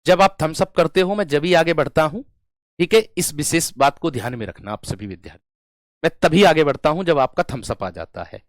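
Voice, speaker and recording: A man teaching a Hindi class, slowly repeating words, addressing students as friends, while running a fever. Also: fairly high pitch, lively intonation, no room sound, studio quality. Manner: slow, drawn-out repetition of words. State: has a fever. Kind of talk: online class lecture.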